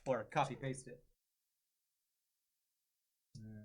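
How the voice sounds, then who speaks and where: A man's voice: medium pitch, steady tone, slow, slightly rough. A man in his forties chatting casually on a livestream, thinking aloud as he reads and reacts. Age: 40s. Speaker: streamer and amateur voice actor.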